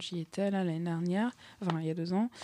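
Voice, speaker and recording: A woman with a fairly low voice, a dark, mellow tone and ordinary pitch variation. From Cameroon. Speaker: podcast host. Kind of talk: casual chat; scripted narration.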